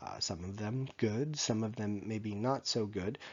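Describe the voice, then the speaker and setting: At a fairly slow pace, a man with medium pitch speaks in an ordinary speaking voice. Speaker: college lecturer. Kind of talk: lecture.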